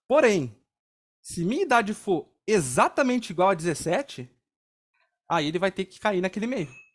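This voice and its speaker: This young programming teacher, speaking with a Brazilian Portuguese accent in a voice pitched high for a man, uses big pitch swings as he runs a live coding session. His manner is casual, explaining each step and regularly asking whether everyone is following.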